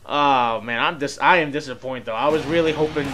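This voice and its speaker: A man casually commenting over a wrestling video game, excitable, laughing often and swearing. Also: medium pitch, fairly quick. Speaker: gameplay video host. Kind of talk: casual let's-play commentary. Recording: voice over loud game music.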